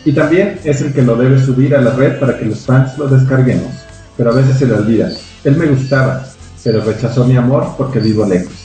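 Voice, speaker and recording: A man's voice: mid-range voice, brisk, few pauses, mellow, faint music behind. A man with a Mexican Spanish accent, a podcast host reading an article aloud and trading teasing jokes. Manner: joking, teasing banter. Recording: very echoey room.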